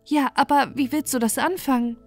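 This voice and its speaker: A woman's voice: high-pitched, steady tone, normal speed, soft background music, voice pushed up. A woman voicing a kind, worried young princess in a fairy tale, urgent and earnest as she gives advice.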